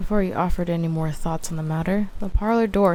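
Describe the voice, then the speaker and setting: A soft-spoken woman with a fairly low, dark, mellow voice speaks at a fairly quick pace. Her tone is calm and her intonation fairly even. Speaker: VTuber / ASMR streamer. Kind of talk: soft-spoken ASMR audiobook reading for sleep and relaxation. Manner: soft-spoken, calm, cozy.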